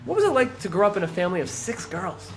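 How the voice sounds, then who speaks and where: A woman interviewer firing off short, upbeat questions in quick succession. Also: medium pitch, big pitch swings, soft background music. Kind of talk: quick street-style questions.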